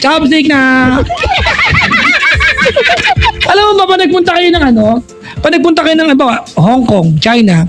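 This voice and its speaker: A man's voice: very high-pitched, lively intonation, normal speed, long pauses. A man hosting a comedic radio show, playful and teasing, joking at his own expense. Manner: playful and teasing, jokes at himself, laughs loudly and often. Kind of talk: comedic live radio banter with ad reads. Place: radio studio. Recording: radio broadcast with music underneath. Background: background music.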